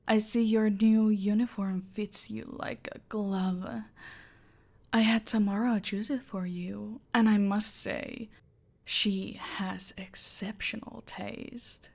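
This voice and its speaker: A woman voicing an imperious female cartel boss in an audio roleplay, speaking slowly and measured, often in a whisper. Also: mid-range voice, steady tone, gravelly, darkish tone. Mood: menacing. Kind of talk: ASMR roleplay.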